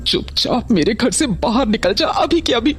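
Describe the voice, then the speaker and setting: A woman's voice: a little high, animated, normal speed, a little hiss or hum, close to an everyday voice. An actress playing a bitter mother who harshly orders her son out of the house, in an audio drama. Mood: furious. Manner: harsh, scolding.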